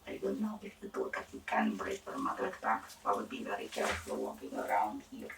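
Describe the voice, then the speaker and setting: A woman playing an eccentric female doctor in an ASMR roleplay, halting and formal, breathy and often near a whisper. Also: very deep voice, big pitch swings, far from the mic, background noise, full character voice. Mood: cautious, quirky. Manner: halting, hesitant, formal clinical phrasing with odd asides. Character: eccentric female doctor examining a patient for monster afflictions. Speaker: ASMR performer. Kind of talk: ASMR roleplay, intimate questioning.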